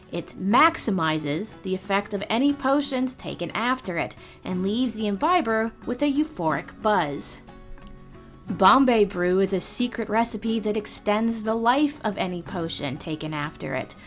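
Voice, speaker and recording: A woman hosting a video guide, reading a scripted explainer in a measured, articulate, instructive way. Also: medium pitch, fairly bright tone. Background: background music.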